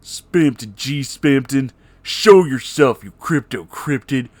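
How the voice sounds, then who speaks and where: A man's voice: medium pitch, animated, takes it slowly, dry recording, voice pushed up. A man voicing a muscular, righteous cartoon cat hero in a comic story, declaiming with earnest bravado. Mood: challenging, righteous.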